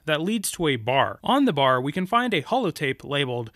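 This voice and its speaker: A man with a fairly high, bright voice narrates a scripted game lore video. His delivery is animated and deliberate, leaning dramatically on key words, in a dry, close recording. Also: no echo.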